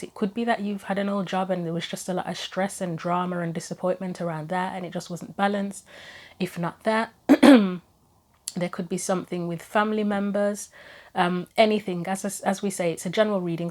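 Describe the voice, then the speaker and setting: This woman's voice sits fairly low, brisk and a little mellow, with a steady tone. On her own channel she does a relaxed tarot reading, musing out loud over what the cards might mean, though her throat is somewhat bothered and her voice is beginning to fail.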